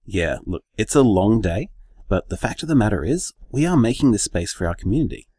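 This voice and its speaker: An actor playing an earnest gay bar co-owner in a radio drama interview, with an Australian accent and an articulate, measured manner. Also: male voice, lowish voice, big pitch swings, warm tone, slightly rough, no room sound, studio quality.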